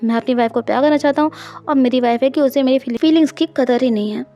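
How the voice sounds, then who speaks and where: A woman voicing a doting, seductive husband in an audiobook, with a low, hushed, coaxing delivery. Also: fast talker, soft background music. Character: adult man, doting, seductive, pleading husband.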